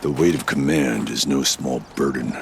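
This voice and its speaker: A man playing a weary, grave tribal chieftain in a video game, speaking in solemn, formal, measured phrases. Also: slight background noise. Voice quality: deep gravelly voice. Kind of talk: video game dramatic acting.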